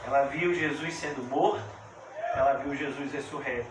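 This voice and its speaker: A male pastor preaching a sermon, moving between soft, intimate asides and loud, fervent exclamations. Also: mid-range voice, fairly even intonation, moderate pace. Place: church. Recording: echoey church hall, voice from a distance, faint hiss.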